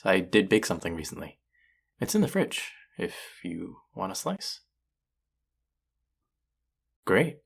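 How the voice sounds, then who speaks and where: A man's voice: deep voice, vocal fry, slightly rough, heavily acted. A man acting a cocky, teasing male chef in an intimate romantic audio roleplay, speaking to his rival and love interest.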